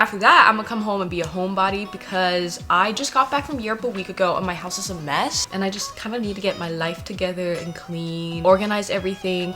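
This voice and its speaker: A young woman in her twenties talks through her morning makeup routine in a casual, chatty vlog voice. She is bubbly and pokes fun at herself. Clear background music runs under her voice the whole time. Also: mid-range voice. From United States. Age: 20s. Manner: chatty, self-mocking, bubbly. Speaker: vlogger. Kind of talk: casual vlog talk while doing makeup.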